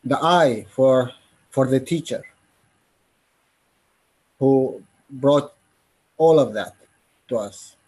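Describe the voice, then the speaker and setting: A man speaking as a panelist on an online call, slow and earnest, in broken phrases. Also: medium pitch, darkish tone, slightly rough, rough recording. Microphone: video call.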